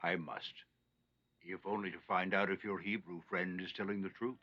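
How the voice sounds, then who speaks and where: A man's voice: low-pitched, steady tone, normal speed, pushed and bright. King Xerxes, regal and proud. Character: proud king, confident and stately. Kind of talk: animated Bible drama. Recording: dull lo-fi sound.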